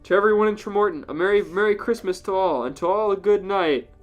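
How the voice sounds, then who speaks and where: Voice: medium pitch, fast talker, over music. A podcast co-host in casual comedic banter and story reading, incredulous and joking, often laughing while talking.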